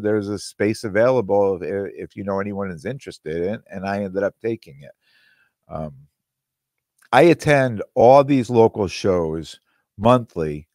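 A middle-aged man hosting his solo podcast, talking in a rambling way with restarts and repeated words, his voice a little hoarse. He speaks close into a studio mic on a boom arm. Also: a little mellow, no room sound. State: slightly hoarse, losing his voice. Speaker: podcast host. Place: small room with green-screen backdrop. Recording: dry close-miked sound.

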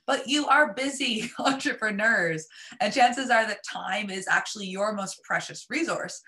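A bright, crisp-toned woman in her thirties leads an online workshop from her home office. She talks in a friendly, chatty way with the odd filler, and she sounds like a webcam on a video call. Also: medium pitch. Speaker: workshop presenter.

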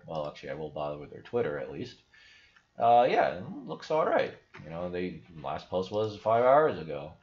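A man's voice: fairly low pitch, muffled recording. A young man hosting a casual screen-share video, talking frankly and rambling with lots of fillers, recorded at his desk in a small room. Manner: rambling, frank, peppered with "like" and "you know". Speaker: crypto video host.

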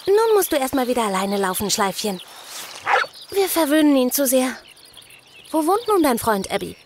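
A woman's voice: high voice, sing-song, normal speed, noisy background. An actress playing a bold, perky orphan girl in an audio drama, chirpy and matter-of-fact. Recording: music behind the voice.

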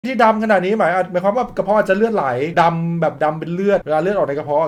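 High-pitched and racing, a man playing a horror video game for his YouTube channel cracks crude jokes, reads out the characters' lines, and yelps when startled.

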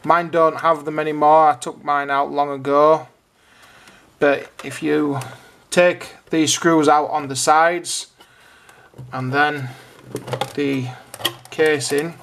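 A British man with a slightly high voice narrates an informal how-to video. He explains each step in turn as a hobbyist host would, in plain conversational phrasing. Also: little pitch movement, slow, pauses often, background noise.

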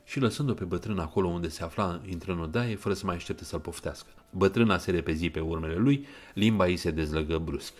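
A man narrating an audiobook retelling of a novel in an even, measured way, quoting passages. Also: low-pitched.

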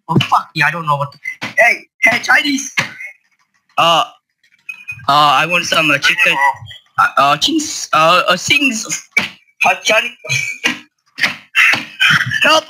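A man making prank calls on a group voice chat, talking casually in a crude, halting way full of swearing. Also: sits high, pushed and bright, poor audio. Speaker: prank caller. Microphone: computer mic on an online voice call.

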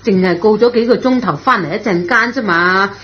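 A woman's voice: mid-range voice, brisk, a little hiss or hum, close to an everyday voice. A woman playing a patient, indulgent middle-aged mother in a radio drama, matter-of-fact and placating. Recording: dull lo-fi radio recording.

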